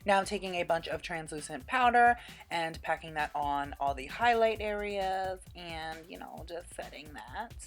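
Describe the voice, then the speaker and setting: Female tutorial presenter, lowish pitch, casual and chatty voice-over with quirky informality, music behind. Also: animated, moderate pace.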